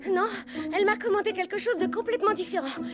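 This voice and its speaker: An excitable young cartoon girl, very high-pitched and earnest. She speaks expressively over clear background music. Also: fast talker. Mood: excited. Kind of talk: animated children's cartoon dub in French.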